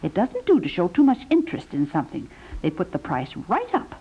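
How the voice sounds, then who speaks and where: Lively, husky-voiced aunt. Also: female voice, on the low side, a little fast, full character voice. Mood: cautious, confiding. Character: shrewd, agreeable aunt, cautious shopping companion. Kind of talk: 1950s radio comedy acting. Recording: tinny, band-limited 1950s radio recording.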